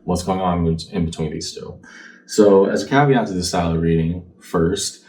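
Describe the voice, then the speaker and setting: A man's voice: sits low, moderate pace, darkish tone. A man speaking casually and conversationally to the viewer as a fortune-telling tarot card reader. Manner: conversational, checks in with "right?". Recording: distant mic, faint background noise.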